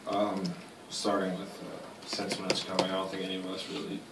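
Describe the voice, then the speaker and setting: A young man, a college basketball player, answering questions at a postgame press conference in a measured, matter-of-fact way. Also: deep voice, monotone. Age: young adult. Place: arena press room. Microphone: table mic, far camera. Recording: echoey room, distant mic, noise.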